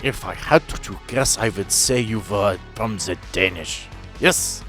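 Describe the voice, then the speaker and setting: A man's voice: on the low side, measured pace, a bit bright, soft background music. A man voicing a polite older German doctor with a put-on German accent and a formal, probing manner. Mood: genial. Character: older thin male German doctor, genial.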